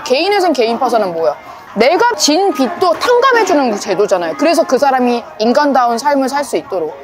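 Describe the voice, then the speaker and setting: High, lively-voiced woman lawyer. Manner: animated, briefly acts out the people she quotes. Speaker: inheritance lawyer. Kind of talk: casual storytelling to camera. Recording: background music under the voice.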